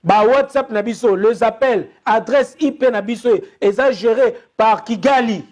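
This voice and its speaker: A young man with a Congolese accent delivers a fervent commentary straight to his viewers. His voice sits notably high for a man, and he drives his case with insistent, repeated calls to action. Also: moderate pace, a little mellow. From Democratic Republic of the Congo. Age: young adult. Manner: urgent, repetitive, rallying appeals to listeners. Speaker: online TV commentator. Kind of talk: impassioned commentary to camera.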